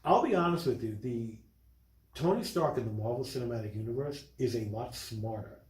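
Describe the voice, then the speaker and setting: A man's voice: medium pitch, expressive, fairly quick, darkish tone. A man hosting a casual film discussion, speaking in an emphatic, opinionated way. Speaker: podcast host reviewing films. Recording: roomy echo.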